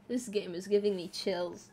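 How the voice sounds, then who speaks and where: A woman VTuber chatting with her live chat mid-game, unhurried and easygoing. She giggles a lot and swears without a second thought, her voice sitting at an ordinary middle pitch. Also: a little mellow, slight background noise. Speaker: VTuber streamer. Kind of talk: casual live-stream chat while playing a game.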